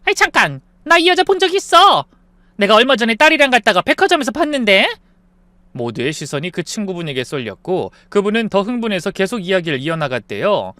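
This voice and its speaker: A man voicing a loud, excited older woman who shouts accusations in a narrated drama story. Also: on the high side, a little fast, few pauses, dry recording.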